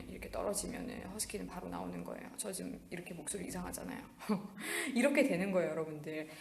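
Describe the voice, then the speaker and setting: A woman rattles off a husky, strained, put-on character voice at a very fast pace with audible echo. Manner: deliberately demonstrating a strained voice.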